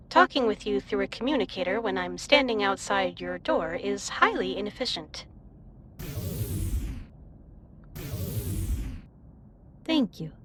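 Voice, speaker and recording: A woman playing a caring, earnest alien starship captain in a sci-fi roleplay audio drama, speaking in formal, precise, measured sentences. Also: fairly high pitch, natural voice. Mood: polite, composed. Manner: formal, precise, stilted wording with measured delivery. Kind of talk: scripted roleplay audio drama, intimate one-sided dialogue.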